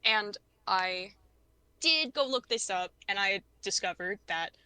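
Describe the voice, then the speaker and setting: Bright-voiced woman, chatty podcast guest. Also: medium pitch, slow, smooth, no room sound. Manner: chatty, animated retelling with frequent quoted asides. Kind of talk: casual conversation about films.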